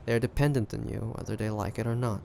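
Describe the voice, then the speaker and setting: A man playing an ambitious, shrewd pirate captain in an audio roleplay, taunting the listener in a deliberate, conspiratorial way. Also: fairly low pitch, steady tone, gravelly, a little mellow, slight background noise. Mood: calculating persuasion. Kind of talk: roleplay audio drama monologue addressed to listener.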